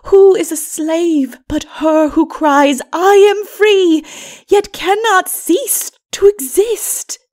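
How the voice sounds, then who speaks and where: Woman playing a breathy, solemn holy woman. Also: very high voice, darkish tone, pitched above the performer's own voice. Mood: stern compassion. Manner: solemn, measured, pleading. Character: solemn, sorrowful holy woman, gently stern and righteous. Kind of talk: dramatic audiobook reading, dark fantasy.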